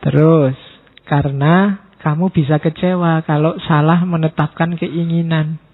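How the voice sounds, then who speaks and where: A man's voice: fairly high pitch, fairly even intonation, unhurried. Man lecturing, tinny sound. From Indonesia. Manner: casual teasing lecturing to students, mixing in Javanese asides. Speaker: lecturer on philosophy. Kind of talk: mosque study lecture. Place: mosque hall.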